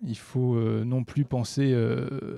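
A man speaks in a dark, mellow tone with ordinary pitch variation. The sound is dry with no echo, and the background is quiet. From Languedoc, France; France. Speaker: photographer; guest. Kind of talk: live radio interview. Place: hall. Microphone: handheld.

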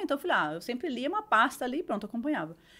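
Her voice is high-pitched, and this woman's pitch swings very widely. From Brazil. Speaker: harpist; podcast guest. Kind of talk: casual interview chat. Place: home room. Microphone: studio mic.

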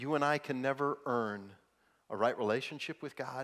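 A man at a moderate pace over a quiet background. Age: 40s. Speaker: pastor. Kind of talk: sermon. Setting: church. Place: church. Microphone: headset.

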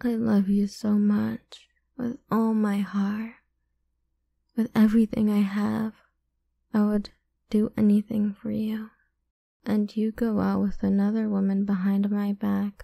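A playful tone comes through at a fairly slow pace, broken by long, frequent pauses. The sound is dry with no echo, and the background is quiet. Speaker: ASMR roleplay creator. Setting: solo audio recording, listener addressed as partner. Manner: possessive, domineering, with playful laughs.

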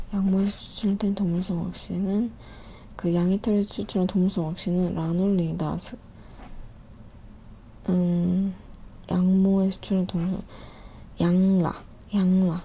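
The speaker is soft-spoken and goes at a fairly slow pace. There are long, frequent pauses. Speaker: student studying for certification exam. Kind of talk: ASMR whispered study reading. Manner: murmuring to self while studying, repeating phrases. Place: home room. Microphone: phone near.

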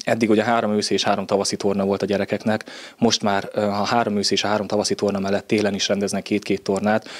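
Talking at a very fast pace, a man with a fairly low pitch keeps a monotone, flat intonation and very even loudness. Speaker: football association county official. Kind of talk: interview answer, formal explanation. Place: office. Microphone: handheld.

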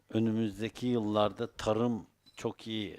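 Fairly low-pitched, a man speaks at a very slow pace. The sound is dry and close, with no echo. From Western Turkey (İzmir, Bayındır). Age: 60s. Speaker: Sufi religious teacher. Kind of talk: casual advice answering a question; religious talk.

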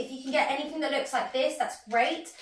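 A woman talks with ordinary pitch variation. Audible room echo and light background noise are present. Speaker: fitness instructor. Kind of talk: workout instruction. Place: home room.

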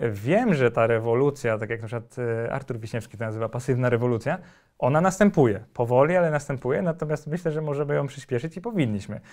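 Against a quiet background, a man speaks at a very fast pace with hardly any pauses. His intonation is lively. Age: 30s. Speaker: finance blogger. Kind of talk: podcast interview. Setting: studio. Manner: hesitant fillers. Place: studio. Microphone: lapel.

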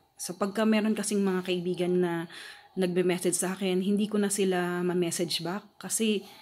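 A woman is talking. Her intonation stays monotone and flat. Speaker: vlogger sharing experiences. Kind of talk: casual vlog chat. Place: home room. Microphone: phone near.

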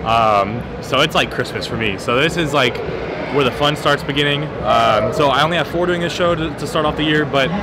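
Loud background noise runs under a man talking at a fairly quick pace with ordinary pitch variation, the sound dry with no echo. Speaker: fitness coach vlogger. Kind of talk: casual vlog chat. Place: hall. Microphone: phone near.

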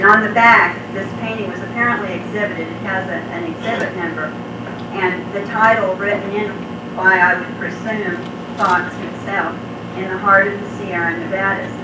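A woman's voice with audible room echo and noticeable background noise. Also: moderate pace. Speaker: presenter. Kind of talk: slide presentation talk. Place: hall.

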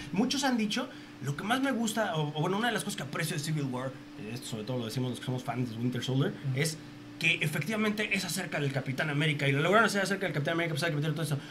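A man talks at a very fast pace with a Mexican accent, in an animated tone with lively intonation. Noticeable background noise runs underneath. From Mexico. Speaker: film and comics commentator; comics commentator. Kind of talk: casual chat. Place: home room. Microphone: studio mic.

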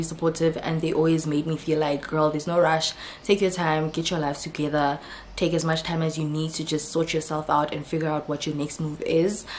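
A woman's very deep, low voice in a flat monotone at a fairly quick pace, with light background noise. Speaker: vlogger. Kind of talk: casual vlog chat. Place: home room. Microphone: camera far.

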